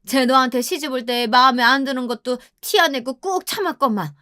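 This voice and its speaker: Woman doing a high, shrill older mother-in-law for a radio story, nagging, self-pitying, crisp dry read. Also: a little fast, sharp tone, dry recording. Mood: whining. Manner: scolding, whiny and self-pitying.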